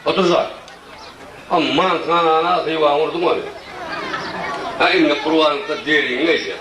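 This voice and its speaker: A man from Turkmenistan performs satirical stand-up, his voice a little high and leaping into shouted chants. The mic sits far from him in a roomy, echoing hall. Loud crowd laughter and steady noise run under his voice. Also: moderate pace. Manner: lively, bursts into sudden high shouted chants. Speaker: satirical comedian. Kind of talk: live stand-up storytelling. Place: stage before a laughing audience. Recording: roomy live recording from a distance, crowd and noise.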